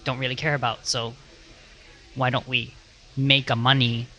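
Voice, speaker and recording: A man in a roundtable discussion, speaking in a measured way. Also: medium pitch, level tone, bright, forceful tone, muffled recording. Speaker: roundtable participant.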